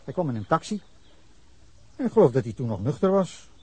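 An indignant witness, husky voice, pitched a bit high, radio play. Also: male voice, very animated, a little fast, warm tone, dry recording. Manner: indignant, rambling account with bursts of anger. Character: defensive middle-aged man telling police of a drunken brawl. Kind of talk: Dutch radio drama acting.

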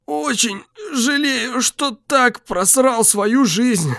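A man reading an audiobook, voicing a mortally wounded young man who speaks slowly through strain and coughing. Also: very high voice, animated, creaky, fairly bright tone, dry recording, clean studio sound, voice pushed up, exaggerated voice. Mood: regretful. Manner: slow, strained, breaking into coughs. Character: dying young man, wounded, bitterly tender. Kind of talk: audiobook character voice.

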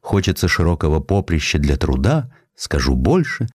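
A deep-voiced man reading as a passionate, restless noblewoman. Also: very animated, normal speed, a little mellow, breathy edge, no echo, studio quality, heavily acted. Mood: yearning, passionate. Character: restless, passionate young noblewoman writing a letter. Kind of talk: audiobook letter reading.

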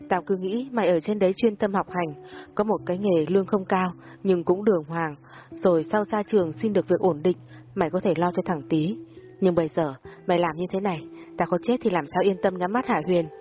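A woman's voice: lowish voice, brisk, lightly acted. Woman voicing a stern angry old father. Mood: angry scolding. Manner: scolding, shouting. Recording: muffled audio, faint music behind.

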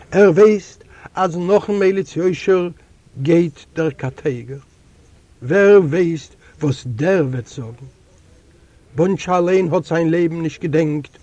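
A man reading a literary story aloud as an audiobook narrator, in a slow, measured, solemn storytelling manner. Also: a little high, dark tone, dry recording, lo-fi sound. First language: Yiddish. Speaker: audiobook reader. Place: library recording room.

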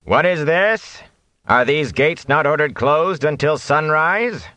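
A man doing a soft-spoken, cold zealot. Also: fairly high pitch, animated, no echo, pitched above the performer's own voice, exaggerated voice. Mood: cold suspicion. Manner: soft, slow, cold and suspicious.

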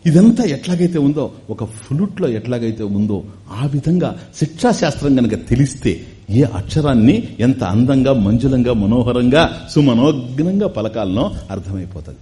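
Man, spiritual teacher, animated pitch, slow chanting then chatty explaining. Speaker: spiritual teacher giving a discourse. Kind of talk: Telugu religious discourse on scripture.

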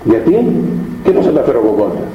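A man preaching a sermon, who tells stories and often jumps up into high voices to act out what people said. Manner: animated, jumps to high pitch when acting out voices. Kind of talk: sermon on scripture. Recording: echoey dull room recording with faint noise.

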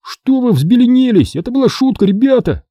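A man's voice: very high voice, very animated, a little fast, mellow, dry recording, clean studio sound, voice pushed up, heavily acted. The speaker, a man doing a goofy prankster boy. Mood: protesting.

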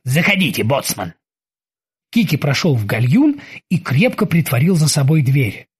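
A woman reading a comic story aloud in a lively, expressive way. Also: low voice, normal speed, husky. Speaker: narrator. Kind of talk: audiobook narration.

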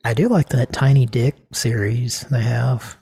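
A man hosting a casual comedy talk show, rambling with deadpan crude jokes. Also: mid-range voice, a little slow, vocal fry, breathy edge. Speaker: host.

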